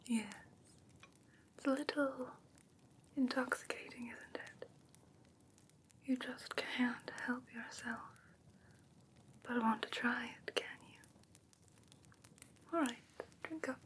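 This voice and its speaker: A woman playing a whimsical, coaxing fae creature in a breathy ASMR whisper, sweetly condescending and soothing in a halting, doting way. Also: a little high, steady tone, fairly bright tone, rough recording. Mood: enticing, coaxing. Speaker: ASMR roleplay performer. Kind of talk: whispered ASMR fantasy roleplay.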